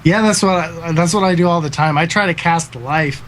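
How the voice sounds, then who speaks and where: A man's voice: a little high, normal speed, a bit bright, slight background noise. A man in his thirties, a guest esports caster, talking earnestly in a casual podcast interview, with lots of fillers. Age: 30s. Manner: earnest, rambling with many fillers.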